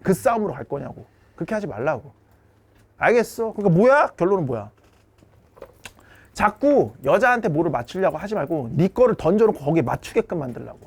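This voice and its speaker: A man's voice: sits high, big pitch swings, a little fast, breathy edge. A man lecturing as a dating coach in a blunt, brash way, swearing freely and talking down to his students.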